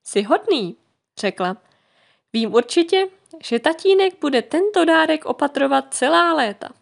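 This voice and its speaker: A woman reading a children's fairy tale aloud as an audiobook narrator, lightly voicing the characters. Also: sits high. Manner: expressive, voices the characters lightly. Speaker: storyteller.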